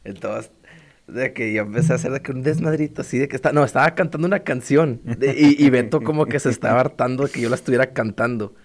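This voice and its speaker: A man's voice: medium pitch, quick pace. Young Mexican man, slangy and laughing. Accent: Mexican Spanish. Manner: laughing, slangy, quotes himself and others. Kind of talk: casual chat, telling a school story.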